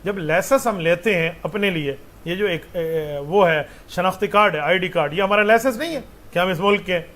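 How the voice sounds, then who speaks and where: A man's voice: sits high, moderate pace, hardly any pauses, fairly bright tone. A man, a mufti answering religious questions with patient explanations and rhetorical questions.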